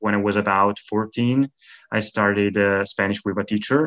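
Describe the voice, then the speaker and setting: An Italian man in his twenties, a native speaker who works as a language teacher and YouTuber, answers interview questions as a guest. His voice is on the low side and a bit bright, with flat delivery at normal speed, and he sounds friendly but hesitant, using many fillers.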